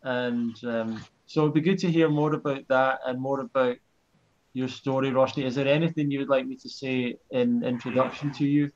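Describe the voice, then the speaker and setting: Man in his thirties as laid-back podcast host, mid pitch, dull lo-fi video call sound. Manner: relaxed, halting with fillers. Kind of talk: casual interview.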